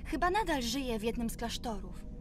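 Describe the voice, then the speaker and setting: A devout, contemplative sister in a space radio play. Her voice sits fairly high, her manner is philosophical and serene, and music plays clearly behind her. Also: big pitch swings, a little fast. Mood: warmly reflective. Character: contemplative, devout woman of a space religious order. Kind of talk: Polish radio drama acting.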